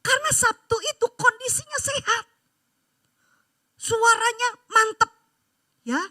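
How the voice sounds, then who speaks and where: A woman pastor, preaching a sermon in a church service with animated storytelling and emphatic exhortation. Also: very high voice, unhurried, dry recording, studio quality.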